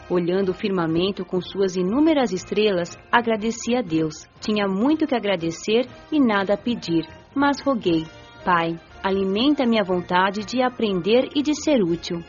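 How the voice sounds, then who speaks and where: A woman reads a first-person radio novel as its narrator. Her voice sits at a medium pitch and her delivery is measured and earnest. The recording is a little dull, with music behind her. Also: a little mellow. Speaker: audiobook narrator.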